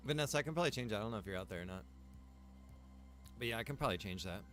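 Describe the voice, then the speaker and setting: Lower-voiced man rambling through a game stream. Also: expressive, rapid-fire, fairly bright tone, faint music behind. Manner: rambling, thinking aloud. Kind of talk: casual livestream gameplay chat.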